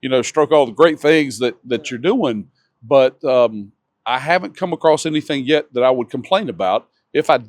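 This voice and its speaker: A man's voice: medium pitch, animated, moderate pace, no echo. A man with a big, enthusiastic voice chats about his town and business. He restarts sentences often, and the sound is dry and close. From North Augusta, South Carolina. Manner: loud, hesitant with restarts, enthusiastic. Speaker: local business owner guest. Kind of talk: casual interview chat.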